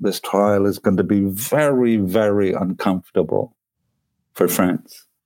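With a Belfast accent, a man speaks at a fairly slow pace in a fairly low, dark, mellow voice showing ordinary pitch variation. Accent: Belfast Northern Irish. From Northern Ireland, Belfast. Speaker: novelist and magazine contributor. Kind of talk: interview conversation.

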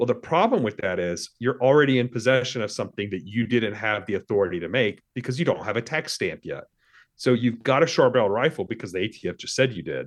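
A man with an American accent races along at a very fast pace, medium in pitch with ordinary pitch variation, against a quiet background. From US South. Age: 40s. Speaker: lawyer. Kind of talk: interview.

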